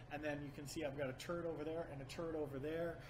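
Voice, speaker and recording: Here a man speaks fairly quickly at a fairly high pitch. His intonation is fairly even, and background noise is noticeable. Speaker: game developer. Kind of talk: dev diary video. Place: office.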